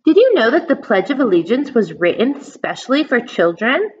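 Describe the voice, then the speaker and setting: Animated American woman teacher, slightly dull recording. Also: on the high side, moderate pace, slight background noise. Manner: simple explanatory teaching, asking questions to young listeners. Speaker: elementary school teacher. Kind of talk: children's picture-book read-aloud with explanations.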